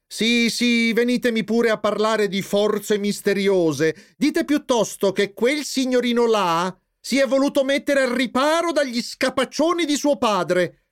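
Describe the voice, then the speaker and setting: Man voicing an older woman, reproachful, sarcastic, raised pitch, storybook aunt. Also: a little slow, hardly any pauses, clean tone. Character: sharp-tongued old aunt, disapproving.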